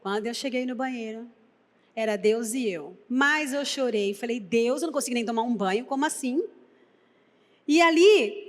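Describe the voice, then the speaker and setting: A Brazilian woman pastor delivers a sermon in a bright, high voice. She tells her stories with lively energy and slips into the voices of the people she quotes. Her voice rings out with a long reverb through the church hall. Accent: Brazilian Portuguese. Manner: lively storytelling, acts out quoted dialogue. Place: church sanctuary.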